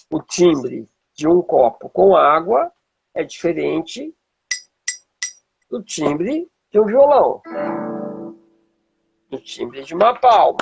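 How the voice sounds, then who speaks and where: A Brazilian man with a husky, gravelly voice, teaching informally and checking in with rhetorical questions, as a music teacher would. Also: sits high, a little mellow. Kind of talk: informal explanatory talk with demonstrations.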